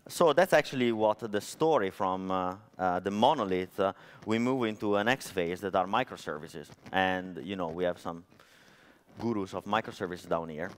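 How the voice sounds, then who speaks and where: A man in his thirties from Italy with an Italian accent, giving a chatty technical conference talk on stage with lots of fillers, on a headset mic. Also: on the low side. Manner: chatty, storytelling, frequent fillers. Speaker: conference speaker. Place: large conference hall stage.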